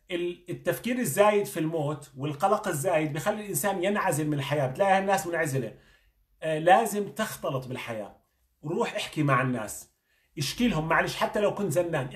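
A man, a doctor giving a motivational talk, earnest and coaching, firing questions at the listener. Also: high-pitched. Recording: echoey room.

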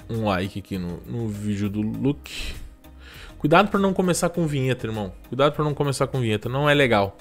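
A man in his thirties with a Brazilian Portuguese accent, giving relaxed, chatty channel advice on a live stream and tossing in quick tag questions. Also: mid-range voice. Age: 30s. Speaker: YouTube growth coach hosting a live stream.

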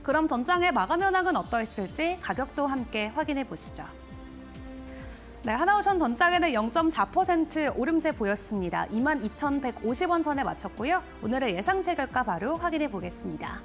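A woman's voice: sits high, big pitch swings, a little fast. A young woman presenting a financial report on television in a polished, formal broadcast manner. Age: young adult. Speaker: TV stock market news presenter. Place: TV studio. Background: background music.

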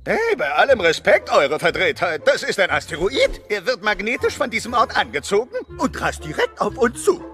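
An actor voicing an excitable, clever male adventurer with a theatrical, mocking manner. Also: sits high, moderate pace, few pauses, faint music behind, heavily acted. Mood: urgent.

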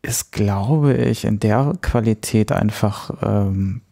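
Man with a creaky voice, chatting. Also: on the low side, takes it slowly, dark tone. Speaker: podcast co-host. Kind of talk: casual podcast chat.

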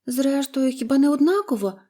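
A woman's voice: lively intonation, normal speed. A woman doing a cheerful chatty little girl. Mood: eager. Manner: eager, gushing, high and bright.

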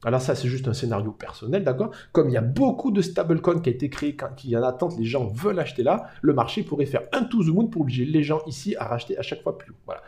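A young man hosting a casual market analysis, talking fast and excitably to his viewers with lots of trading slang. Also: medium pitch. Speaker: crypto market analyst, channel host.

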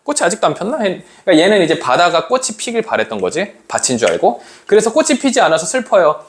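Animated man teaching literature. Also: high-pitched, fast talker. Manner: animated, asks students questions, acts out quoted lines. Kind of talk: lively classroom lecture.

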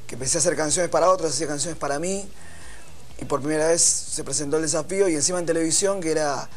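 A man in his thirties with an Argentine accent tells a story as a guest on a TV talk set. His voice is a touch high for a man and his delivery stays relaxed and conversational. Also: quick pace, faint music behind. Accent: Argentine Spanish. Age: 30s. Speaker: studio guest, composer. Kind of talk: casual chat. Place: TV studio.

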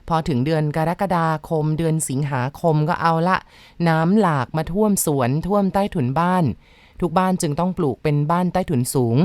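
Woman host, low-set voice, dramatic ghost-story narration, dry close mic. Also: a little mellow, no echo. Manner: measured, dramatic storytelling with polite particles.

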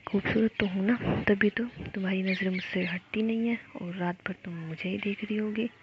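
A woman voicing a sassy, touchy young woman lover in a whispered role-play, coy and sulky in a soft whisper. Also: medium pitch, steady tone, moderate pace, muffled recording, background noise, lightly acted.

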